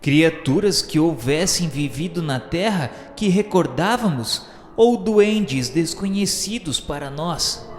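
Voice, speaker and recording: A man giving solemn, measured literary narration for a radio drama, in a grave and formal manner. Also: on the high side, expressive. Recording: long reverb over faint music. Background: faint music.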